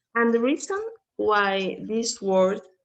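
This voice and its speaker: With a Spanish accent, a woman speaks at a very slow pace with ordinary pitch variation. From Mexico. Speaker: women's coach. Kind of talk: talk to camera.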